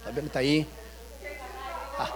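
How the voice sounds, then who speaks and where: A man's voice: on the high side, a little slow, big-room sound, a faint crowd. A man with a Brazilian Portuguese accent, a pastor preaching an informal sermon full of anecdotes and acted-out dialogue in a church. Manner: storytelling, animated, acts out dialogue. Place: church sanctuary.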